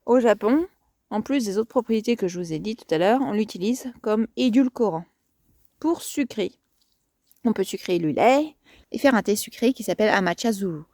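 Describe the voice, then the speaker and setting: A woman's voice: medium pitch, lively intonation, normal speed, dark tone, no echo, studio quality. A woman, presenting plants in a casual garden vlog, chatty and playful, with many fillers and asides.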